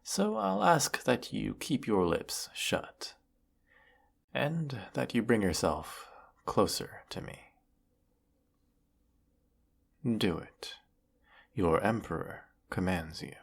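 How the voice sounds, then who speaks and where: Man playing a deep, gravelly, weary evil emperor. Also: lively intonation, full character voice. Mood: quiet command. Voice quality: low, gravelly. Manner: pompous, theatrical, formal, drawn-out phrasing. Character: weary, menacing galactic evil emperor, secretly fond of servant. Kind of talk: scripted audio roleplay monologue.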